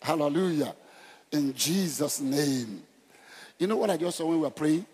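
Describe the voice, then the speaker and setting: A man's voice: a little high, lively intonation, moderate pace, darkish tone, husky. A middle-aged Nigerian man preaching an evangelistic sermon, emphatic and exhorting, in short repeated phrases with a conversational turn. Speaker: pastor. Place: large church auditorium, on stage. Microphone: headset. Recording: echoey church hall sound.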